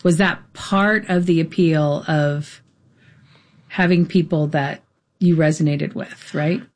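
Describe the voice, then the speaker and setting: A woman's voice: low-pitched, fairly even intonation, slow pace. A woman interviewing a guest in a casual conversation, encouraging him with frequent short affirmations.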